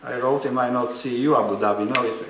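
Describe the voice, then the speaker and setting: A man from Romania introduces an academic panel from a podium. His voice sits at a middle pitch, and he speaks in a measured, hesitant way with many fillers and touches of dry humor. The sound carries the echo of a large conference hall. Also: fairly even intonation, fairly bright tone, slight background noise. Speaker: panel moderator; higher education policy researcher.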